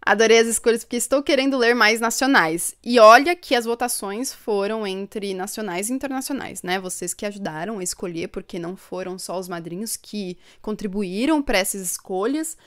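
Upbeat young woman, smooth voice. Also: mid-range voice, moderate pace, few pauses, a bit bright. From São Paulo state, Brazil. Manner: chatty and upbeat, laughs often, reads viewer comments aloud. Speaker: book channel host. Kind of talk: live stream chat with viewers. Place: home room with bookshelves, indoors. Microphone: desk microphone in front.

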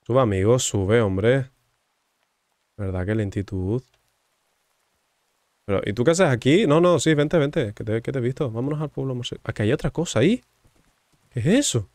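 A man talking his way through a game, cracking jokes at the characters and muttering asides. His voice sits at an ordinary pitch and is recorded close and dry, with no room sound. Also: lively intonation, normal speed, long pauses, a little mellow, no echo. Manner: joking, teasing, chatty with game characters. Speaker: gaming streamer. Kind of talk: casual gameplay commentary.

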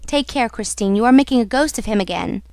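A woman's voice: fairly high pitch, expressive, fast talker, a little mellow, clear, resonant tone, dry recording. A woman voicing an ardent, jealous young man in a storybook, speaking in an urgent, challenging, dramatic way. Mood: jealous, scornful. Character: ardent, jealous young male suitor, impatient and protective.

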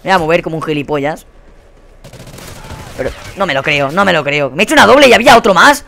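Foul-mouthed Spanish gamer yelling at his match. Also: on the high side, lively intonation, fast, creaky, slight background noise. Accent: Spain Spanish. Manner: profane, exasperated ranting with sudden yelled outbursts. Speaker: gaming channel host. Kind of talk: live gameplay commentary.

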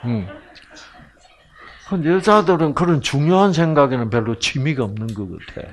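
A man's voice: a little high, expressive, a little fast, background noise. A man with a Gyeongsang Korean accent giving a humorous lecture to an audience as a health program lecturer, telling jokes like a storyteller and asking the audience questions.

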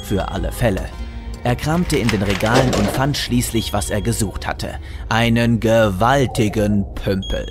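A man's voice: on the low side, unhurried, loud music behind the voice. A man narrating a scripted comic story in a wry, tongue-in-cheek manner.

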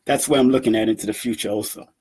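A man in his fifties talking to his webcam from a room at home, animated and boastful, laughing often as he addresses his community. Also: fairly low pitch, very fast, breathy edge. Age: 50s. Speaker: event organizer and numerology teacher. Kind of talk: casual talk to camera. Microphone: webcam at desk.

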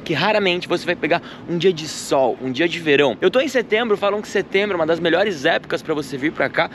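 A man in his thirties talks straight into a camera held at arm's length, giving a lively travel tour. His voice sits a touch high for a man. A faint background ambience runs underneath. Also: fast talker, slight background noise. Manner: chatty and animated, pointing things out as he walks. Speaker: travel vlogger. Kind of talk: casual travel vlog to camera. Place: hotel room, then outdoors by the waterfront.

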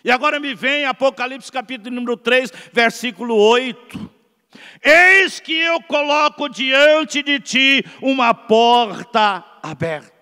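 A man in his sixties with a Brazilian Portuguese accent, preaching a Pentecostal sermon from a church pulpit, building to shouts and then dropping low. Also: a little slow, clear, resonant tone. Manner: preaching with swelling shouts and quiet drops. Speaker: pastor. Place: large church sanctuary at a pulpit. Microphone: pulpit microphone. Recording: long reverb of a large church.

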